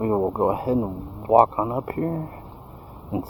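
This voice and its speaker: Over noticeable background noise, a man talks at a medium pitch and a fairly slow pace with ordinary pitch variation. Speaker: travel vlogger. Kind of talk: casual vlog narration. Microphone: poor camera mic.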